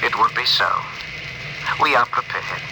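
An actor playing a gentle alien ship's communicator who speaks in stiff, oddly formal phrases, in a 1950s radio drama. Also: male voice, medium pitch, lively intonation, unhurried, close to an everyday voice. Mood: solemn. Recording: hissy old radio broadcast.

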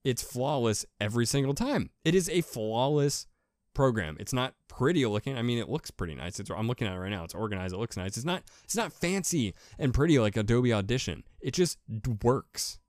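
A man with a deep voice giving a casual, rambling how-to talk as a podcaster, repeating himself with enthusiasm. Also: expressive, brisk, darkish tone, dry recording, clean studio sound. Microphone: USB desk microphone with pop filter.

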